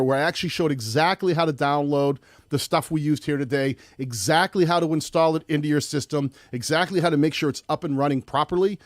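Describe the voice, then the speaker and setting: A man with a loud voice hosting a live-streamed tutorial, chatty and rambling with frequent restarts. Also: fairly high pitch, no echo, studio quality. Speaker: host.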